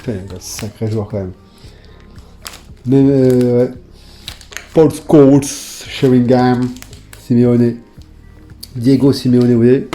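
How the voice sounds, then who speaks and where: A man's voice: medium pitch, dark tone. A man chatting casually in a vlog, reading off long lists of names with plenty of fillers. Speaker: YouTuber showing his old football card collection.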